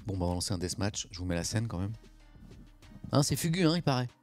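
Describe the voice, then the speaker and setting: A man's voice: fairly low pitch, animated, fast talker, darkish tone, soft background music. A man, chatting casually on a live stream, reacting to chat and mocking himself.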